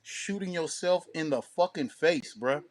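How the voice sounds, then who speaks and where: A man with a slightly high-set voice holds forth on a casual talk show. He speaks as a co-host trading opinions, loose and slangy, and swears freely. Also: unhurried. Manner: slangy, profane.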